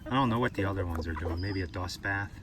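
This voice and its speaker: A man's voice: low-pitched, fast talker. Folksy man vlogging outdoors, noisy background. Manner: folksy, informal grammar. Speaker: vlogger showing his vegetable garden. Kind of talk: casual outdoor vlog chat. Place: outdoors in a breezy backyard garden. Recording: noisy outdoor recording, breezy ambience.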